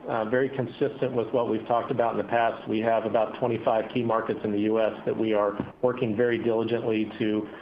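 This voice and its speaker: A man speaking as a company executive, answering analysts on an earnings call in measured corporate phrasing with hesitant pauses. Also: fairly low pitch, flat delivery. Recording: dull, noisy conference call audio.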